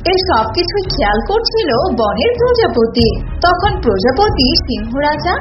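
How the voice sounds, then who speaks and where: A woman's voice: sits high, sing-song, a little slow. A woman narrating a scripted children's cartoon story. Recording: dull, echoey audio with music.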